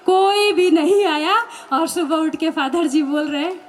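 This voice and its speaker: A woman with a high, bright voice tells her own faith testimony as a religious sister. She tells it as a story, slipping into the voices of the people in it. She breaks into light laughter along the way. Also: a little slow, faint music behind. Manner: storytelling, acting out quoted voices, laughing now and then.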